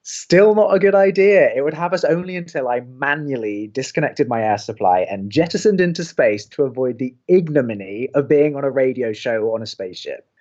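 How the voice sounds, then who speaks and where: A man's voice: mid-range voice, lively intonation, a little fast, hardly any pauses, darkish tone, dull audio, close to an everyday voice. A young man acting as a sarcastic, easily exasperated college radio co-host in an audio romantic comedy. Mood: dry, sardonic. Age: young adult. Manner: dry, sarcastic.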